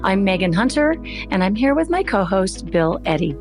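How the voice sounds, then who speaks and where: Hoarse, gravelly-voiced woman host. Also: mid-range voice, big pitch swings, normal speed, music in the background. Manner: chatty, upbeat, storytelling. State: hoarse, voice still recovering. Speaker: podcast host. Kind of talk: podcast intro, casual chat.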